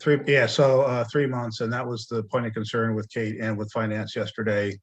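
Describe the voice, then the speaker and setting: Husky man, hesitant and halting. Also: medium pitch, level tone. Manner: hesitant, halting with many fillers and restarts. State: losing his voice, clearing throat. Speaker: land bank staff presenting a loan. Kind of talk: online board meeting discussion.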